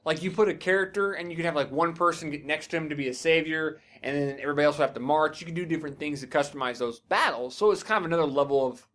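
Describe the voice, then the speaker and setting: Casting: male gaming podcast co-host with a fairly high voice, rambly, keen and freely sweary. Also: rapid-fire, few pauses, a bit bright. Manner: rambling, enthusiastic, casually profane. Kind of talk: casual gaming chat.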